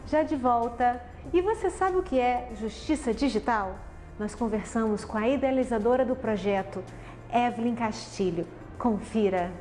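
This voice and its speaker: A woman's voice: on the high side, expressive, moderate pace, darkish tone. A Brazilian woman presenting scripted links on a television programme. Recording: reverberant, with faint music.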